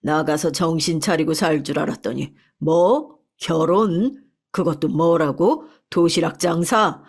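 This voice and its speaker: A woman's voice: sits low, unhurried, a little mellow, slightly rough, heavily acted. A woman voicing a stern parent who coldly scolds and disowns a grown daughter in a told story. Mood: contemptuous. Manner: icy, scornful scolding.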